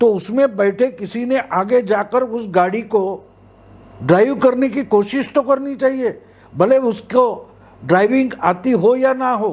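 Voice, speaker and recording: A man talks at an extremely high pitch. His pitch variation is ordinary. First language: Marathi (speaking Hindi). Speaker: political journalist and commentator. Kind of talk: political commentary monologue.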